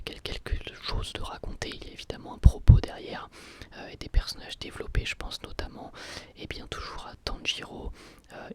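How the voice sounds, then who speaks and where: A person giving a casual ASMR review in a soft, breathy, unvoiced whisper, hesitating and repeating words.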